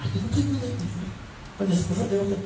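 A woman preacher delivering an emphatic, humorous sermon, swinging between hushed asides and shouts. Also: medium pitch, quick pace, creaky, crowd noise. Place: church with congregation. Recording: echoey hall, distant mic. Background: congregation laughter and noise.

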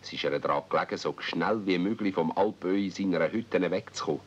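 A man's voice: low voice, quick pace. A man narrating a children's radio play as a storyteller, speaking Swiss German. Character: male storyteller of a children's tale. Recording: muffled, noisy old 1970s audio play recording.

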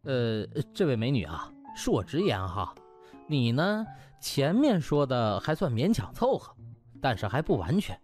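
A man plays a cocky young male doctor in a comic audiobook. He is glib, chatty and needling, with wildly varied pitch over light music. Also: huge pitch swings, measured pace, darkish tone. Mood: condescending. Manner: chatty, mock-humble, needling.

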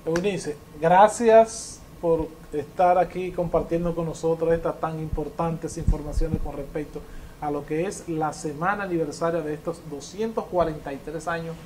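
Casting: Dominican Caribbean-accented male TV host, higher-pitched, conversational, faint noise behind him. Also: fairly even intonation, normal speed, a little mellow, poor audio. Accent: Dominican Caribbean Spanish. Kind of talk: conversational hosting. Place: indoor TV studio.

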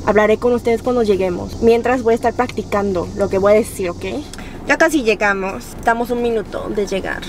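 A woman in her twenties chatting casually to camera inside a car, animated, slangy and self-deprecating. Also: mid-range voice, a little fast. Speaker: vlogger. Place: inside a car, driving and parked. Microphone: camera on dashboard. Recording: faint car noise.

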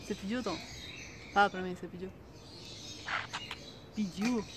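A Brazilian woman talks slowly and gently to her pet birds, cooing questions at them in baby talk. Her voice sits at a middling pitch, and faint background noise runs under it. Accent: Brazilian Portuguese. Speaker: bird keeper vlogger. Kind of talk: talking to pet birds on camera.

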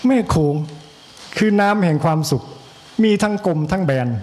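A monk with an Isan accent giving an evening sermon, slow and measured, with pauses and repetition and a joke now and then for the listeners. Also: male voice, high voice, a little mellow. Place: temple hall.

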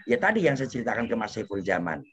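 A man's voice: on the low side, very animated, quick pace, fairly bright tone. A man, an interview guest, telling his life story with feeling, his voice rising when the story gets tense. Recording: dull lo-fi audio, faint noise.

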